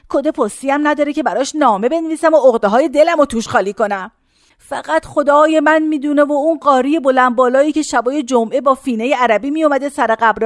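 A frail, very old woman played by an actress rambles in a high, thin voice, drifting from complaints to faraway memories in a folksy, wandering way. The sound is close and dry, as in a radio play. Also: no room sound. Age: older. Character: very old woman in a care home, rambling and pained.

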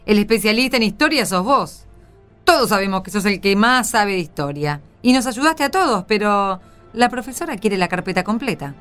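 A woman's voice: medium pitch, animated, moderate pace, a bit bright, faint music behind, lightly acted. A woman playing a frank, supportive night-school classmate in a radio play, earnest and colloquial, with a Rioplatense Argentine accent. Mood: earnest, persuading. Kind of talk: radio drama acting.

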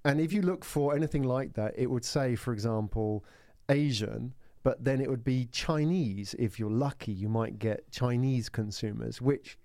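A man's voice: medium pitch, normal speed, few pauses, a little mellow, no echo, clean studio sound. Chatty man hosting a podcast. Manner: chatty, lightly joking, asks leading questions. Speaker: podcast host. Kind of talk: conversational interview hosting. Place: podcast studio.

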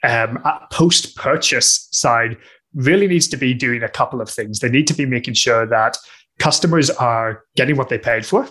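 A man from Northern Ireland, guesting on a podcast about customer success, has a bright, forward, mid-range voice and speaks at a moderate, easy conversational pace. His relaxed, unscripted interview answers are full of pauses, fillers, and restarts as he thinks aloud.

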